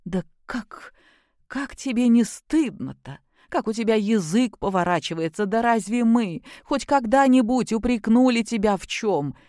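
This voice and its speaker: A woman voicing a tired older woman who speaks quietly and reproachfully. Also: sits low, lively intonation, a little slow, dry recording, studio quality, pitched below the performer's own voice. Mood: weary. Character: weary older woman, grandmother.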